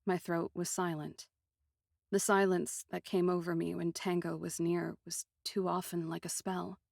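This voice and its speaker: Female narrator for fantasy fiction: slightly low register, expressive literary delivery, dry studio-like sound. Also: measured pace, gravelly, dry recording. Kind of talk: first-person dramatised story narration.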